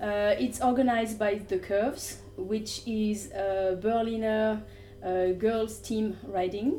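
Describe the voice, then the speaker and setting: A woman with a French accent talks at a very slow pace in a dark, mellow tone. Her loudness stays very even, and audible room echo surrounds her. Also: fairly high pitch for a woman, ordinary pitch variation. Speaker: motorcycle podcast host. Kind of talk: casual interview. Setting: women's motorcycle festival in Germany.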